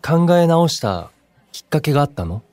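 An actor playing a kind, composed young male idol in an audio drama, speaking as a friendly, encouraging senior with gentle wording. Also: fairly high pitch, very animated, normal speed, no room sound. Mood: curious. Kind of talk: Japanese audio drama acting.

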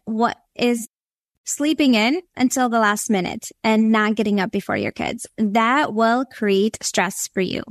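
A woman's voice: on the high side, lively intonation, unhurried, dry recording, studio quality. A young woman from Latvia with a Minnesota accent, a podcast guest giving earnest, encouraging advice on parenting. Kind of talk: conversational interview.

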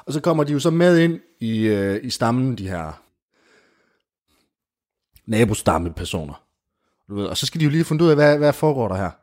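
A man telling an improvised comic story in casual chat, animated and full of fillers. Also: mid-range voice, pauses often. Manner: animated, jumps into character voices, many fillers like "du ved".

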